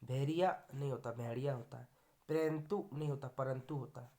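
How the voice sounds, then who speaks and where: A man's voice: medium pitch, little pitch movement, quick pace, dark tone. A man teaching a grammar lecture for exam students, going through correct and wrong spellings word by word.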